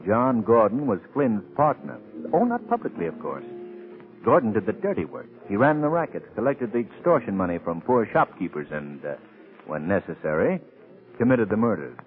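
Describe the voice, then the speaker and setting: An actor playing a suave, wry gentleman sleuth in an old-time radio drama, urbane and drily ironic, on a tinny old recording. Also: fairly low pitch, big pitch swings, moderate pace, faint music behind. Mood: wry, scheming.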